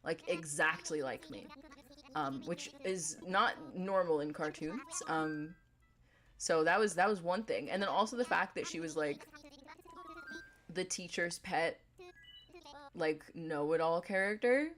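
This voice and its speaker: A young woman with a deep voice chatting casually on a gaming livestream, rambling in a playful, laid-back way. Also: measured pace, pauses often, a bit bright, faint music behind. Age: young adult.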